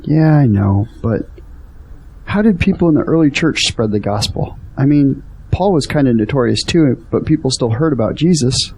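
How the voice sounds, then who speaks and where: A man's voice: mid-range voice, expressive, normal speed, creaky, darkish tone, a little hiss or hum, low-quality recording. An actor playing an earnest, hopeful young Christian man in an audio drama. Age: young adult.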